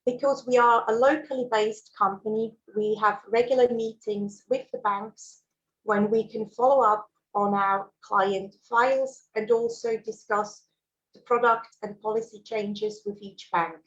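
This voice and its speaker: A woman's voice: a little high, steady tone, a little slow, lo-fi sound. A Swiss woman whose first language is German, presenting a mortgage webinar in a friendly way with fillers and small laughs. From Switzerland. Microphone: video call.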